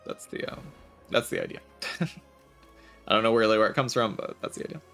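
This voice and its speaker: Raspy, gravelly laid-back male streamer. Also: on the low side, fairly quick, faint music behind. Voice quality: raspy with vocal fry. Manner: relaxed, laid-back, chatty with filler "like". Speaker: game streamer. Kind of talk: casual chat while gaming.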